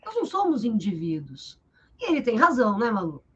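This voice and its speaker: Over dull, lo-fi webcam audio from a live stream, with slight background noise, a Brazilian literature teacher talks through a book in an interview. Her fairly high voice moves fairly quickly, and her animated, explanatory style leans on a questioning "né?" in Brazilian Portuguese-accented speech.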